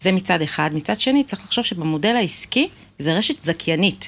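This woman has an ordinary speaking voice at a medium pitch, with ordinary pitch variation and a moderate pace. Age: 40s. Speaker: company CEO. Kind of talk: interview.

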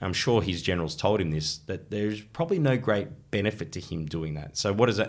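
A man at a fairly quick pace with lively intonation, on a very clean recording with a silent background. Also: hardly any pauses. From Australia. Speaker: podcast host and author. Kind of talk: interview.

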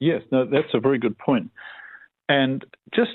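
A man speaks at a moderate pace with a New Zealand accent. His pitch is medium. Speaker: co-host. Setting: phone call.

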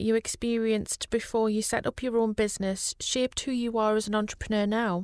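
A normal speaking voice goes at a moderate pace. The sound is dry and close, with no echo. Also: woman. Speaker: podcast host and university academic. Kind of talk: interview, presenting.

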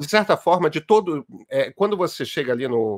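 The man's voice has vocal fry and very wide pitch swings. The recording is very clean, with a silent background and a dry, close sound with no echo. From Brazil. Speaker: podcast host, editor-in-chief. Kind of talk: interview.

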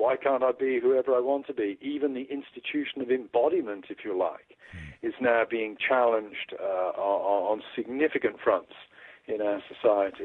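The speaker has a plain, everyday voice, a moderate pace and ordinary pitch variation. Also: man, medium pitch for a man. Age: 50s. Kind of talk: radio interview.

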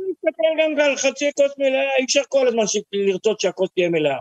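A man's voice with very wide pitch swings and a dry, close sound free of echo. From Israel, Kiryat Motzkin. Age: 70s. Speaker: mayor. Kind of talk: interview.

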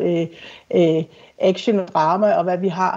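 This woman has a medium pitch, a dark, mellow tone and fairly even intonation. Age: 40s. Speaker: cultural researcher, university lecturer. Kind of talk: interview. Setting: online connection. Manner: hesitant, many filler sounds.

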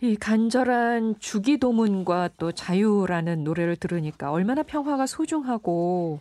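Her voice sits at a medium pitch with a dark, mellow tone. The woman speaks at a fairly slow pace with very wide pitch swings. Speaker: morning radio news host. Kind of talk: radio interview. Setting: studio. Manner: formal.

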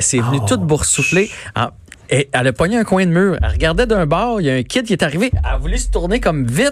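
A man with a Quebec accent talks at a very fast pace and a high pitch, with very wide pitch swings. His loudness stays very even over noticeable background noise. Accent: Québécois French. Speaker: radio quiz show host. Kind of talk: casual chat, quiz show hosting.

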